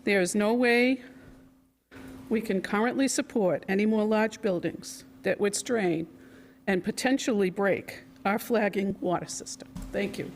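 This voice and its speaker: A woman with a loud voice giving a prepared public comment at a town council meeting, reading quotes from a report. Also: mid-range voice, a little slow. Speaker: resident speaking at public comment.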